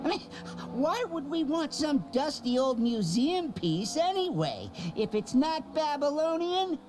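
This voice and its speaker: A man's voice: extremely high pitch, very animated, unhurried, heavily acted. A man voicing a cocky young hawk racer and gang boss, smug and swaggering, in an audio drama. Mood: proud, dismissive. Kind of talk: animated audio drama acting. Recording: loud music under the voice.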